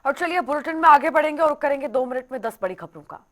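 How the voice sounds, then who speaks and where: Bright-voiced woman reading news headlines. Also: sits high, animated. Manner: brisk headline delivery. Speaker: news anchor. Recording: faint music bed behind.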